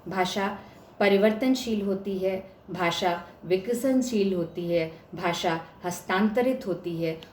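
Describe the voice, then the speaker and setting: Woman lecturing in an echoey room. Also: lowish voice. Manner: explanatory, stresses words to show examples. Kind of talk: academic lecture. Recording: echoey room with faint hiss.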